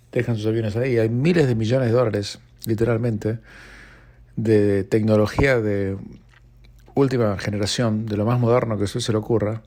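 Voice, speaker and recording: A man's voice: fairly low pitch, a little mellow. A man hosting a radio news program, speaking earnestly and reflectively and addressing the listener directly.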